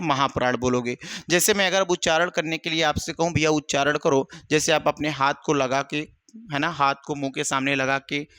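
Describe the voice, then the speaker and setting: A male teacher runs an exam-prep grammar lesson, posing questions to the class, answering them himself, repeating a lot, and calling students brother. His voice is a little high and a bit bright, clean, with no echo.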